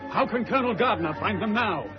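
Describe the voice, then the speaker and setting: A man's voice: high-pitched, animated, a little fast. A man announcing the next installment of a radio serial in an emphatic, teasing style. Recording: muffled old radio with music.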